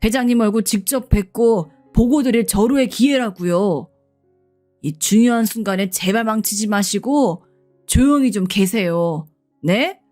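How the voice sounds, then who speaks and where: A woman's voice: medium pitch, a little slow, darkish tone, lightly acted. A woman voicing an arrogant young male team leader who whispers in irritation, over faint background music. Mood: annoyed.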